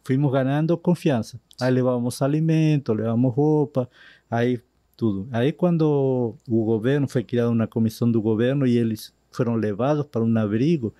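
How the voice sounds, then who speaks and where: A man's voice: mid-range voice, normal speed, dark tone, dry recording, studio quality. A man from Argentina with an Argentine Spanish accent, a native Spanish speaker, speaking as a missionary guest in a podcast interview and recounting events earnestly while slipping Spanish words into his Portuguese. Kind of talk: casual storytelling in a podcast interview.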